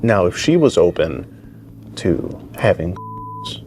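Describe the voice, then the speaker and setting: A man with a fairly low voice confronts someone in a steady, persistent way. He keeps circling back to the same questions. Clear background noise runs under the recording. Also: slow pace. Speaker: confronting interviewer. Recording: noisy ambient background.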